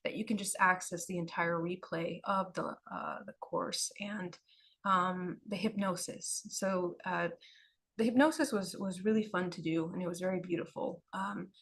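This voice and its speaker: A hoarse woman giving a livestreamed spiritual talk in an unhurried, soft-spoken way, often repeating phrases. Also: lowish voice, fairly even intonation. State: hoarse, losing her voice. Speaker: spiritual teacher.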